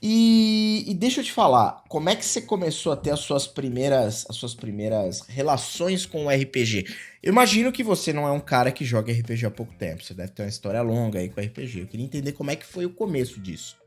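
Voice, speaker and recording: A man's voice: mid-range voice, very animated, fast talker. Hammy, playful male podcast host. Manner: playful, hammy, repeats catchphrases. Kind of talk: casual interview hosting.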